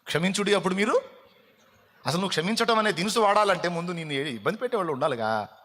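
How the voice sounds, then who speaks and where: A man preaching a fasting prayer sermon as pastor, scolding and dramatic, firing rhetorical questions with sudden loud peaks. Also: high-pitched, animated. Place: church hall. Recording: long hall reverb.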